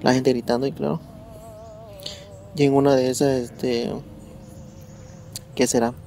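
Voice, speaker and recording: A man telling a true story in a casual, halting way, often repeating words as he remembers. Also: medium pitch, flat delivery, creaky, mellow, faint music behind. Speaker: guest storyteller.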